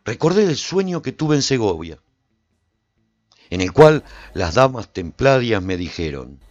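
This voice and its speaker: An animated, proud lone-warrior narrator. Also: male voice, medium pitch, measured pace, no room sound, highs cut off. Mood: reflective. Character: lone warrior man recounting his post-apocalyptic adventures, proud and vivid. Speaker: narrator and lead actor of a radio serial. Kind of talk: dramatic first-person radio storytelling.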